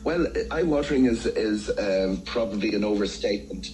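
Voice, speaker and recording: An Irish man giving unscripted expert commentary in a radio interview, in a halting, stop-start way with repeated words. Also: lowish voice, lively intonation, darkish tone, faint music behind, poor audio. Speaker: travel editor, studio pundit.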